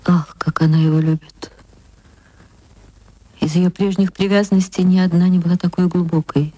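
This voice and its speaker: Tender low-voiced woman storyteller. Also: little pitch movement, mellow, rough recording. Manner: tender, unhurried storytelling, slowing at reflective passages. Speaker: narrator. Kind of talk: literary radio reading.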